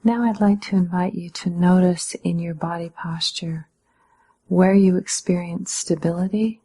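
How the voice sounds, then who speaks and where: A female meditation teacher guides listeners with calm, measured instructions and gentle pauses. Her voice is lowish, breathy, and slightly husky.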